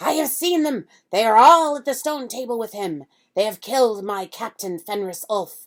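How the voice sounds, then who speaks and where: A female-sounding, fairly high put-on character voice, raised and projected, moves at a moderate pace on a very clean recording with a silent background. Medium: read story. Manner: rushed and urgent.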